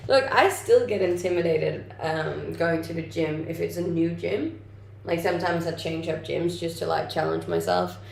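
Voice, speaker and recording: A woman's voice: on the low side, normal speed, gravelly, darkish tone. A young woman from Denmark, a native Danish speaker, chatting informally on a livestream as she reads and answers viewer comments. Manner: informal, conversational. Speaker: livestream host, content creator. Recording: roomy echo, faint background noise.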